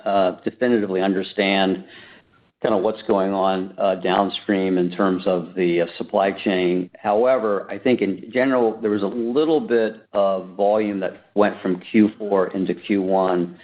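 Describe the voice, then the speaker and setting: A man speaking as a finance executive, answering business questions off the cuff in measured, hedging corporate language. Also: low voice, flat delivery. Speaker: company finance executive on earnings call. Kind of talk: unscripted business Q&A. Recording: muffled narrow phone-like conference line.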